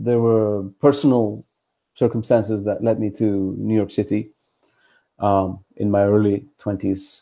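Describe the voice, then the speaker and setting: Over a quiet background, a man with an Icelandic accent speaks at a fairly low pitch in a dark, mellow tone. His intonation is fairly even and his pace fairly slow, with long, frequent pauses. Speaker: orchestral flautist; interviewee. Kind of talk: interview. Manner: halting. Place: home room. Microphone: earbuds.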